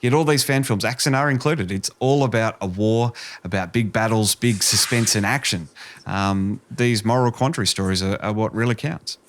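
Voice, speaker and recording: A man's voice: on the low side, normal speed. A man hosting a podcast interview in a casual, chatty style.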